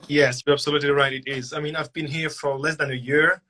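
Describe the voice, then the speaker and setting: Bright-voiced man on a call. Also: on the high side, level tone, fast talker. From France. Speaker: guest musician. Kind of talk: interview conversation.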